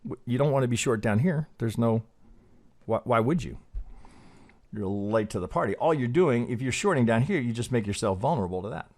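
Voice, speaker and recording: A man's voice: medium pitch, expressive, a little fast, a little mellow. A middle-aged man hosting a trading channel, talking casually through chart analysis, rambling, swearing and asking "right?" again and again.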